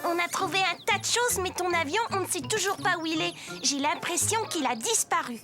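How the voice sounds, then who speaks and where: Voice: extremely high pitch, brisk. An actor voicing a cheerful, easygoing young boy, the hero's friend in a French cartoon, upbeat and childlike. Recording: music playing behind the voice.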